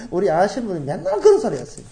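Emphatic, lively-voiced woman preaching a sermon. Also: medium pitch. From grew up in Daegu, South Korea. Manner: emphatic, repeats key phrases, swings from loud to hushed. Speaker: pastor.

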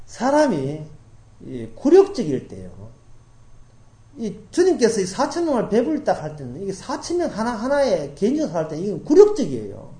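Emphatic, lively-voiced woman preaching a sermon. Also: mid-range voice, moderate pace. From grew up in Daegu, South Korea. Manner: emphatic, repeats key phrases, swings from loud to hushed. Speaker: pastor.

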